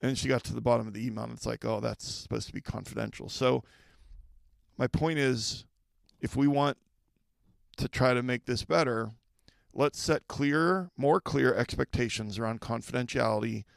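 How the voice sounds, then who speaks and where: A man's voice: mid-range voice, normal speed, vocal fry, no room sound. A middle-aged man hosting a podcast for school leaders, talking conversationally, repeating key points and checking in with listeners. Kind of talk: solo podcast advice talk.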